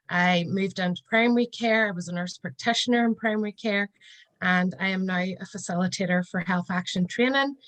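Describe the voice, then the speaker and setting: A woman, a nurse, introducing herself on a video call in a clear, matter-of-fact way. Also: mid-range voice, a bit bright, poor audio. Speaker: nurse and facilitator.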